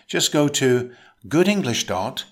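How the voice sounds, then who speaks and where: Measured man teaching English pronunciation. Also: medium pitch, very animated. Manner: measured, deliberate delivery, slowing to model words. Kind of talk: scripted vocabulary lesson.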